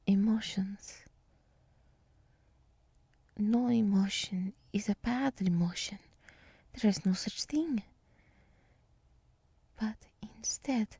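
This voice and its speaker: Woman as soothing deer girl, ASMR whisper, breathy, slow, tender meditation-guide manner, close-miked. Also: mid-range voice, no room sound, exaggerated voice. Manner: slow, soft, breathy, reassuring. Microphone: close microphone, dry.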